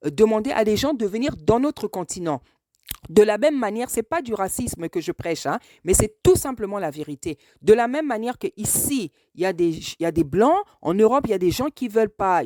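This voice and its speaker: Earnest woman, mellow dry voice, repeating herself. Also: mid-range voice, big pitch swings, fairly quick, no room sound. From France. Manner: hesitant, repeats phrases for emphasis. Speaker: speaker addressing a video message to a politician. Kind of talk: spontaneous spoken address, earnest monologue.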